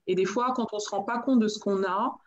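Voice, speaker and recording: A French woman hosting a live chat show, talking in a lively, encouraging way and mixing in English phrases. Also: medium pitch, brisk, dull audio. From France. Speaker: host.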